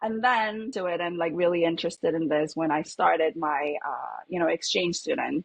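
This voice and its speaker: A woman with a Korean accent, fairly low in pitch, with ordinary pitch variation at a moderate pace. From South Korea. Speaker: psychologist. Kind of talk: interview.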